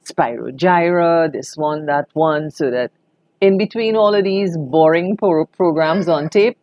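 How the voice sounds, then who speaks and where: A woman's voice: deep voice, unhurried, a little mellow, dry recording. An older woman with a Trinidadian accent reminiscing conversationally in an interview, telling anecdotes expressively as a veteran broadcaster.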